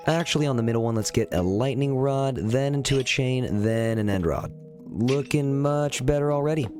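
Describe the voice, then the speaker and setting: Male gameplay host, low, relaxed and slightly raspy, soft music bed. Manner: relaxed, easygoing, thinks aloud while building. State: slightly raspy from recent illness. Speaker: Minecraft let's play host. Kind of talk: calm narrated gameplay commentary.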